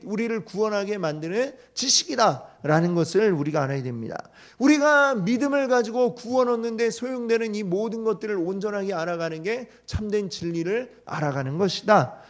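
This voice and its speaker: A male pastor giving a teaching sermon in church, who often puts questions to the congregation and retells the story with lively quoted lines. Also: high-pitched, moderate pace, hardly any pauses. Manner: asks the congregation frequent questions.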